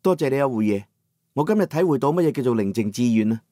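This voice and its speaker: A man with a Cantonese accent narrating a first-person novel as an audiobook, in a steady descriptive storytelling manner. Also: medium pitch, fast, dry recording, clean studio sound.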